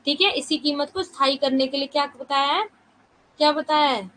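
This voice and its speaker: A woman with a high voice teaches a live online class in a soft, unhurried way, checking in with her students and asking herself questions as she explains. She sounds tired from fasting. A faint hiss sits under the voice. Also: rough recording. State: fasting, low energy.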